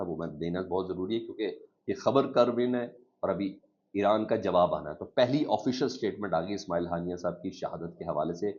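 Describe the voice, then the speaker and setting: Low-voiced Pakistani man explaining the news. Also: darkish tone. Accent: Pakistani Urdu. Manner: conversational, recaps and explains the news. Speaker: news commentator. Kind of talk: casual news commentary. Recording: dull lo-fi audio.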